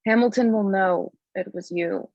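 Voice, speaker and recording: A woman's voice: medium pitch, moderate pace, a little mellow, no room sound, highs cut off, lightly acted. A woman acting a protective, resolute, commanding character at a screenplay table read. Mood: firm, urgent.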